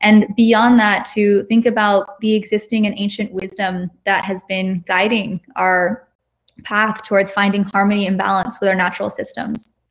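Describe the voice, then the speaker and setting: A somewhat breathy woman's voice in monotone, flat intonation at a moderate pace against a quiet background. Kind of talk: presentation. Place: home room. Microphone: video call.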